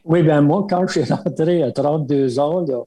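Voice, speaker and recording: An older man with an Acadian French accent from Baie Sainte-Marie, telling stories from his life in a relaxed interview, with many small fillers and chuckles. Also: on the high side, normal speed. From Baie Sainte-Marie, Nova Scotia. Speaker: guest, religious brother. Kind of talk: casual storytelling interview.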